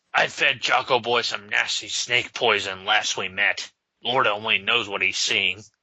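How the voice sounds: A put-on character voice from a man, fairly low-pitched, raspy and gravelly, with fairly even intonation at a moderate pace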